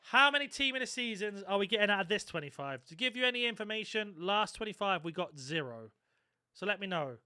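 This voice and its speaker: A man's voice: high voice, animated, fairly quick, sharp tone, clean tone, no echo, clean studio sound. A young man chatting casually on a live stream, swearing freely and reacting to his viewers. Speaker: gaming streamer.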